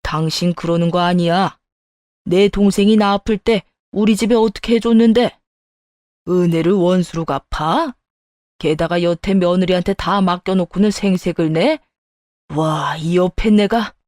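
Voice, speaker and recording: A woman's voice: lowish voice, a little slow, a little mellow, no echo, studio quality, close to an everyday voice. A woman voicing an angry older father-in-law who scolds harshly in a narrated family story. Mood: furious. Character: furious older father-in-law, stern and blunt. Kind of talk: storytelling dialogue.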